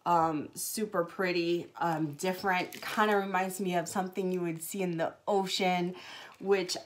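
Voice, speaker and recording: A woman's voice: lowish voice, fairly even intonation, measured pace, a little hiss or hum. A woman in her thirties from Hawaii, chatting through a live jewelry sales show with many ums, recorded on a phone in a small indoor room. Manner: chatty, many ums, upbeat product talk. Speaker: jewelry seller.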